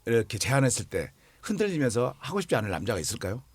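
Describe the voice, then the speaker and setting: A man in his forties, an actor, talking earnestly about a role in an interview, pausing often to find his words. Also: mid-range voice, very animated, a little hiss or hum. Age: 40s. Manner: earnest, searching for words with many fillers. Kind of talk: film promotion interview.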